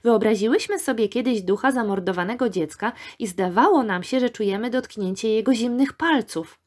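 A woman's voice: a little high, brisk, a little mellow, close to an everyday voice. A woman reading the part of a dreamy, imaginative young woman student in an audiobook, speaking wistfully and eagerly. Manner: wistful, enthusiastic.

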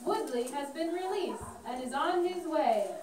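Lady as gentle white mouse puppet, high voice, echoey and a bit far off. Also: animated, unhurried. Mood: welcoming. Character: welcoming white mouse bearing good news. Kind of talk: puppet show storytelling. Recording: roomy, distant, noisy live recording.

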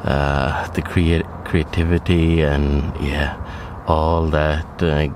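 A man's voice: rumbling low, level tone, slow, background noise. A man in his thirties from Norway, a wildlife photographer talking casually in a vlog from a small forest blind, with many fillers and restarts. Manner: hesitant, many fillers and restarts, hushed at times.

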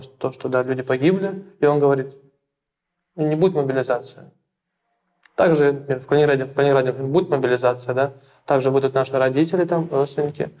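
Young man, dark mellow voice, halting. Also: medium pitch. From Russia. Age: young adult. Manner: halting, repeats words, many fillers. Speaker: interviewee. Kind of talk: interview. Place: small plain room indoors.

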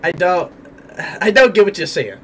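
A man's voice: high voice, sing-song, moderate pace, fairly bright tone, slight background noise. A young man livestreaming on a headset mic in an indoor room, talking casually and hesitantly, often repeating the same word. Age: young adult. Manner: hesitant, repeats words over and over.

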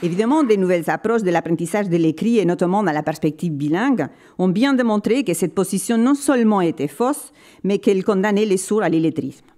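A woman speaking at a library conference, giving an academic lecture in a measured, explanatory way and pausing often to search for words. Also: medium pitch, lively intonation, mellow.

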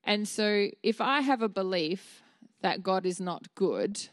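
A woman's voice: medium pitch, animated, slow pace, no echo, clean studio sound. A woman, giving an earnest, candid, conversational sermon at church, speaking into a handheld mic. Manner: earnest, candid, with fillers and restarts. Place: dim church stage with a small seated audience.

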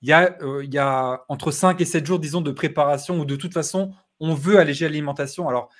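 A man's voice: on the high side, brisk. A man in his thirties hosting an interview over a video call, with friendly fillers and hesitant restarts. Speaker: host. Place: home room with bookshelves.

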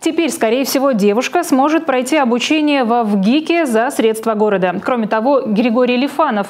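A woman's voice: on the high side, darkish tone. A young woman reading scripted news as a presenter in a TV studio. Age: young adult. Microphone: lapel mic.

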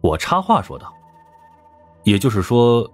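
A man's voice: mid-range voice, big pitch swings, a little slow, soft background music. A man narrating a crime audiobook in a scripted, dramatic storytelling style.

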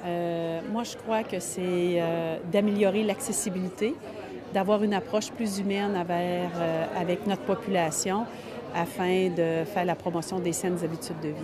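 A woman with a Quebec French accent, soft-spoken and hesitant. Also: fairly low pitch, fairly even intonation, normal speed. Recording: crowd chatter behind.

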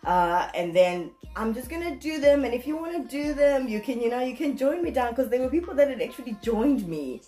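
A woman in her thirties chatting casually to viewers in a playful, animated, self-mocking way, recorded at home a step from the camera. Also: high voice, fairly quick, few pauses, soft background music. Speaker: vlogger. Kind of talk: casual chatty unboxing vlog. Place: room at home.

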